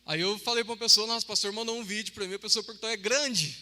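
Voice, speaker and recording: A man's voice: sits high, steady tone, very fast, bright, forceful tone. A man from Brazil preaching a sermon, chatty and joking, often checking in with his listeners. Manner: chatty, joking, with frequent "amém?" and "né?". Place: church hall. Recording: church hall reverb.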